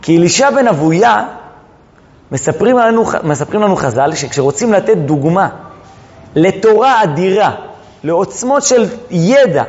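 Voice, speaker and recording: A man teaching a lesson on religious texts, animated, drawing out words for emphasis as he tells the stories. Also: high-pitched. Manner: animated, drawn-out emphasis, storytelling. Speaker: Torah teacher. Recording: dull recording in echoing hall.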